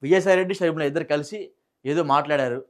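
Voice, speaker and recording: A man's voice: a little high, quick pace. A man with a Telugu accent giving informal political news commentary, repeating phrases for emphasis and asking rhetorical questions.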